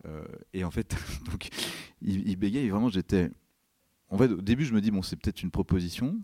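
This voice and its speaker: Speaking fairly quickly in a low voice with a breathy edge, this Breton film director is a guest on a podcast. He's an animated storyteller in a casual interview chat, voicing the people he quotes in his anecdotes.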